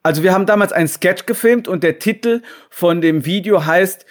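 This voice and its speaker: A man's voice: high-pitched, brisk. A man in his thirties, a guest talking casually at home over a video call, hesitant with many restarts. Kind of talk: casual remote interview.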